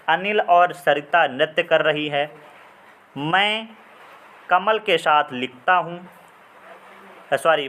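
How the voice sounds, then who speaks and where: Male teacher, fairly high bright voice, reads questions and stretches out key words. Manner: reads questions then explains, drawing out words to spell them. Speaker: exam prep teacher. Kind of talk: explaining Hindi practice questions.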